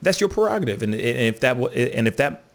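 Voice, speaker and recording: A man's voice: mid-range voice, sing-song, quick pace, gravelly. A man with a mid-range voice hosts a casual conversation. He is easygoing and often adds filler phrases while he talks. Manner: laid-back, repeats "you know what I'm saying". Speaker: host.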